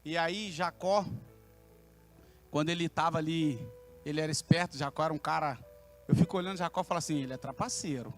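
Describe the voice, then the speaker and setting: A man's voice: fairly high pitch, fairly quick, pauses often, soft background music. A man preaching with a Brazilian Portuguese accent in a church service, telling stories in a colloquial, humorous way. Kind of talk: sermon.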